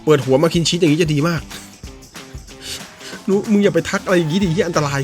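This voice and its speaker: A man giving casual, excitable commentary while playing a football video game, swinging between low mutters and high yelps and swearing at the game. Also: quick pace, soft background music. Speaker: gaming YouTuber.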